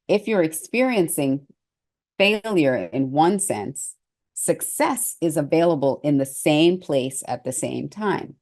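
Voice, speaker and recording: A woman's voice: low voice, darkish tone. A middle-aged woman giving an earnest, conversational motivational talk as a success coach, with hesitant restarts.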